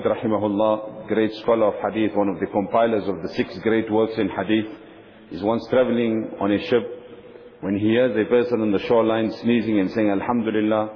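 A man delivers an earnest religious talk to a gathering, speaking quickly in a lowish voice. He tells stories steadily and with devotion, and the lo-fi recording sounds muffled with a faint hiss behind him. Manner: earnest, steady storytelling with many Arabic honorifics. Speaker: Islamic speaker. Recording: dull lo-fi recording with faint noise.

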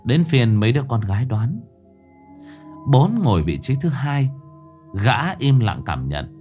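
A man tells a horror story with an animated, rising and falling pitch. He reads dramatically and slows down for the suspenseful stretches. Faint music with a singing bowl plays behind him. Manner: lively, dramatic reading with slowed suspense.

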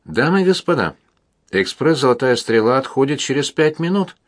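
A man voicing a formal male railway station announcer in a storybook reading, with a loud official cadence. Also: mid-range voice, very animated, normal speed, voice pushed up, lightly acted. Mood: announcing.

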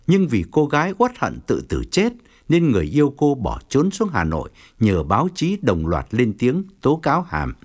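Guy narrating an audiobook, super animated pitch, storyteller vibe. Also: moderate pace. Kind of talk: scripted narration.

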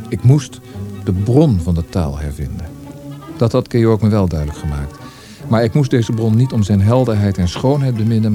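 An actor playing a weary, melancholy poet, speaking in a lyrical, introspective manner in a literary radio drama. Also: male voice, on the low side, lightly acted. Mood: resolute, reflective. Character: brooding, weary, melancholy male Austrian poet.

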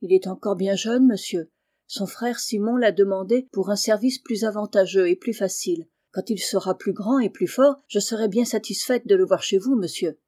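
A woman voicing a poor, tender-hearted peasant mother in an audiobook, speaking softly and humbly. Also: mid-range voice, moderate pace, natural voice. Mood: humble. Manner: soft, humble and emotional. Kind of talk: audiobook character reading.

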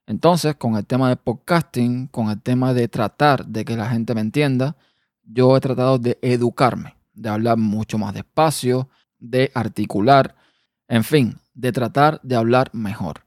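A Cuban-accented man talks through a personal podcast episode on his own. He is a quick talker who now and then stumbles over a word. His voice sits at an ordinary middle pitch in a dry room with no echo. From Cuba. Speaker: podcast host.

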